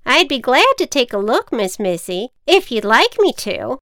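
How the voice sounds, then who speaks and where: A woman's voice: high-pitched, sing-song, moderate pace, a bit bright, no echo, clean studio sound, voice pushed up. A woman voicing a quirky wicked witch who speaks with confident, matter-of-fact authority in a children's storybook. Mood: bossy, matter-of-fact.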